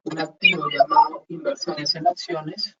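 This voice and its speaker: A man's voice: fairly high pitch, steady tone, unhurried, sharp tone, husky. A man teaching an online accounting class, explaining step by step and asking rhetorical questions. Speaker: accounting instructor. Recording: dull distant mic with faint hiss.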